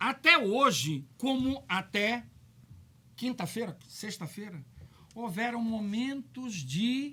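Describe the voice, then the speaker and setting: In a raised, projected voice with an extremely high pitch, a man speaks at a very slow pace. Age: 60s. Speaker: professor. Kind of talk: radio interview. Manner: explanatory, lecture-like.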